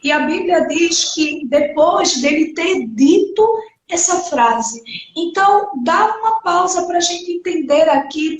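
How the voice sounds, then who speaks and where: A woman's voice: extremely high pitch, slight background noise. A woman pastor preaching an earnest sermon, often tagging her sentences with "né" and acting out quoted voices. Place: church hall. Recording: echoey church hall from far off.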